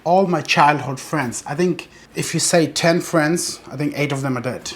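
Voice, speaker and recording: A man's voice: on the high side, normal speed, fairly bright tone. A man from Afghanistan, a professional bodybuilder, telling his life story in an earnest, determined interview monologue.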